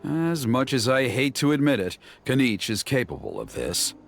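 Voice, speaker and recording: An actor voicing a patient, knowledgeable tribal guide in a video game, explaining things in an instructive way. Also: male voice, medium pitch, wildly swooping pitch, moderate pace, vocal fry, loud music behind the voice. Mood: serious, instructive.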